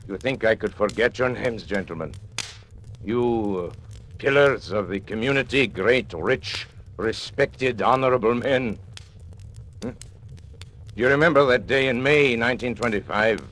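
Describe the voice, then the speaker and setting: An actor playing a sinister agent who narrates and taunts powerful men in theatrical 1940s radio acting. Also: male voice, medium pitch, measured pace, fairly bright tone, slight background noise, lightly acted. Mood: menacing. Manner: menacing, mocking, theatrical. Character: sinister male confidential agent turned blackmailer.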